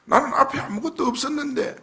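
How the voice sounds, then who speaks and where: A male pastor delivers a fervent sermon in a very high voice. He swings between loud shouted cries and quiet, low asides. His tone is bright and sharp. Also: fast. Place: church sanctuary.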